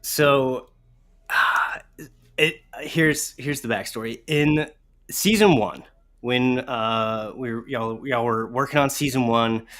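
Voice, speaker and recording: A man's voice: medium pitch, takes it slowly, a bit bright. A man chatting casually as a guest co-host, in a playful, self-deprecating way. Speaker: guest co-host, writer and voice actor. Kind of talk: casual chat.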